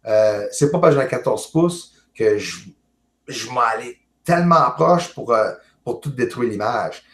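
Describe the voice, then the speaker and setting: A jovial man with a Québécois accent talks over a video call, halting along with fillers and restarts. His voice sits at an ordinary middle pitch. The room around him sounds noticeably echoey. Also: lively intonation, a bit bright. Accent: Québécois French. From Quebec, Canada. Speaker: guest, amateur astronomer. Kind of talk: casual video call chat. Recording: roomy echo.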